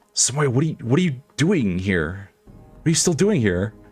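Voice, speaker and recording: At a moderate pace, a put-on character voice makes very wide pitch swings. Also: man, medium pitch for a man. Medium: actual play. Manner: quiet, guarded.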